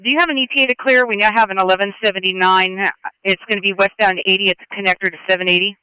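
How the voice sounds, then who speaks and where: A man's voice: sits high, fairly even intonation, rapid-fire, sharp tone, smooth, no echo, poor audio. An American man working as an emergency dispatcher, giving clipped, procedural ambulance radio traffic over a two-way radio.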